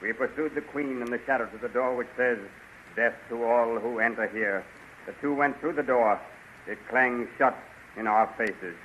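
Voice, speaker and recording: Actor doing a wailing doom-laden courtier. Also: male voice, mid-range voice, natural voice. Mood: lamenting. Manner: slow, lamenting, solemn. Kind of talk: 1930s radio drama acting. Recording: dull, hissy 1930s radio transcription.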